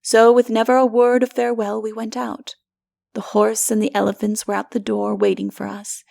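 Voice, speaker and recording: A woman narrating literary fantasy as a dramatic audiobook, expressive and theatrical, sometimes dropping to hushed phrases. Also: fairly high pitch, moderate pace, gravelly, no room sound, studio quality.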